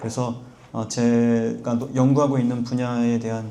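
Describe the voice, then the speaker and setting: A soft-spoken man talks at a very slow pace and a medium pitch in a calm tone. Noticeable background noise and audible room echo are present. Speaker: seminary-trained youth minister, guest lecturer. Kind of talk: lecture. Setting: youth summer retreat lecture hall. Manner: calm, soft-spoken.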